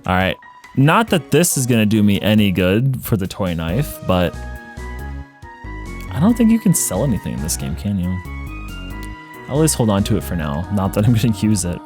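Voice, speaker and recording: Man, let's play host, lively varied pitch, casual commentary, faint music behind. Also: normal speed, long pauses. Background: game music.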